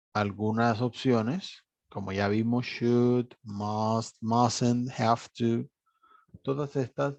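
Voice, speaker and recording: Patient teacher explaining exercises. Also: male voice, medium pitch, darkish tone, no echo. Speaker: English teacher. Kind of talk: online class walkthrough. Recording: dry, slightly dull recording.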